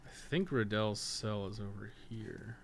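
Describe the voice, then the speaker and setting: On clearly noisy stream audio, a man with a fairly low voice talks a little slowly through casual live gameplay commentary. A game streamer and podcast co-host, he rambles, thinks aloud, and swears freely as he plays.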